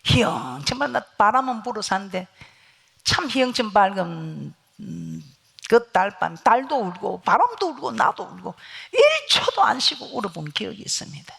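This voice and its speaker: A woman preaching a revival sermon in a church with a Gyeongsang Korean accent, telling stories, loud one moment and hushed the next. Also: mid-range voice, sing-song, normal speed, gravelly, slightly rough. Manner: storytelling, swings from loud to hushed. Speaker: guest pastor. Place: church sanctuary.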